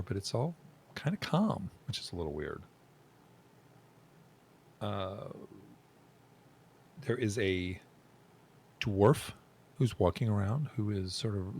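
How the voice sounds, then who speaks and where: Low gravelly game master man. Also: a little mellow, a little hiss or hum. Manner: loose, musing, checks rules aloud. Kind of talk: narrating a tabletop game. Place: home room, live stream.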